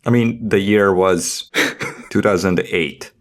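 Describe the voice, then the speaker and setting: Low-voiced man in podcast discussion. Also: takes it slowly. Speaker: podcast host.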